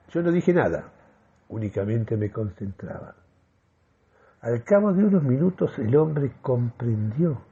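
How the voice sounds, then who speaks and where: An actor playing a euphoric, deluded man who solemnly delivers a grandiloquent radio monologue with deliberate, dramatic pauses. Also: medium pitch, creaky, mellow, breathy edge, dull audio, heavily acted. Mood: satisfied, deadpan. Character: euphoric, deluded man convinced of mystical energy communication. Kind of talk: theatrical first-person radio monologue.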